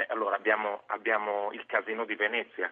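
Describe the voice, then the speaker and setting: His intonation monotone and flat, a man speaks at a fairly low pitch. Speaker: economics professor. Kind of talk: radio interview. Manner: halting.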